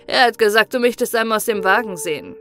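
A scheming old witch stepmother from a fairy-tale audiobook, acted by a woman. She wheedles slyly in a raised, somewhat higher voice. Faint music runs underneath. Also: fast talker, bright, forceful tone.

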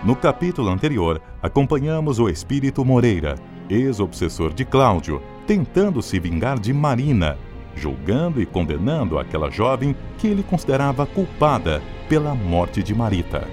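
A man's voice: medium pitch, sing-song, normal speed. A Brazilian man announcing a radio drama in a formal, dramatic scripted style. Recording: prominent music behind the voice.

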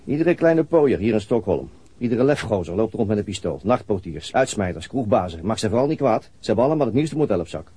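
A man's voice: lowish voice, very animated, brisk, mellow, husky. An actor playing a weary middle-aged detective and father, laconic and dryly sardonic, in a naturalistic radio play. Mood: irritated, sardonic.

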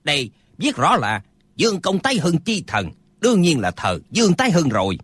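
A man's voice: a little high, huge pitch swings, moderate pace, a bit bright, slightly rough, no room sound, full character voice. A man voicing an irritable, hot-tempered old martial-arts eccentric who snaps at his brothers. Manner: irritable, snapping.

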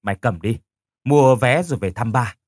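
A man's voice: medium pitch, normal speed, a little mellow, slightly rough, no echo, clean studio sound, lightly acted. A man voicing a brash, kind-hearted young woman who bosses her friend around bluntly, in an audio story. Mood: bossy caring. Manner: bossy, blunt, swears affectionately.

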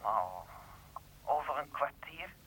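A woman's voice: sits low, expressive, takes it slowly, fairly bright tone, slightly rough, exaggerated voice. An older woman acting in a radio drama, playing an anxious, irritable mother who is impatient and complains. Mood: prickly, weary. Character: anxious, irritable elderly mother with aching legs. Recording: dull lo-fi old radio play recording.

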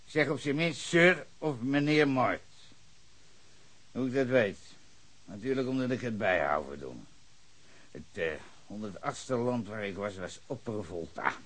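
An actor playing a hostile, cursing bar owner in his fifties in a radio play, shouting and then muttering. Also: mid-range voice. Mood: furious. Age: 50s. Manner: cursing, ranting, swings between shouting and muttering. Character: foul-mouthed hostile older male bar owner, drunken ranter.

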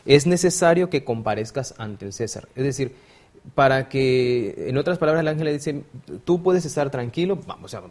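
A young man from Mexico, a theology student, retelling a Bible passage in relaxed conversation with frequent fillers. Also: medium pitch, moderate pace. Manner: thoughtful, frequent fillers like "este" and "¿no?". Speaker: theology student, panel guest.

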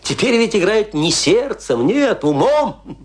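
An actor playing a boastful, scornful provincial tragedian in a radio play, telling his tales theatrically with emphatic, pointed pauses. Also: high voice, sing-song, full character voice. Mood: scornful lament. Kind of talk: dramatic radio play monologue.

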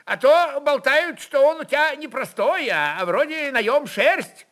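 Man playing sly, high-voiced taunting Cossack. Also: expressive, unhurried, fairly bright tone, heavily acted. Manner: needling, mock-curious.

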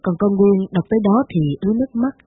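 A woman narrating an audiobook story in a calm, even reading voice. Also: medium pitch, very fast, husky, soft background music. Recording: tinny phone-like, dry.

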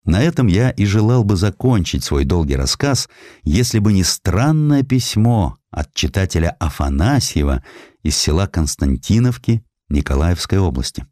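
A man reading a scripted historical sketch as an audiobook narrator, in an expressive, dramatic storytelling manner. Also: deep voice, moderate pace, no room sound, studio quality. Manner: expressive storytelling, acting out quoted speech.

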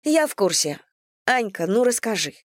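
A woman's voice: mid-range voice, big pitch swings, normal speed, no room sound, clean studio sound, voice pushed up, lightly acted. A woman voicing a nosy sister who teases and pries in an audiobook. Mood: coaxing. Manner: curious teasing. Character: nosy, teasing older sister.

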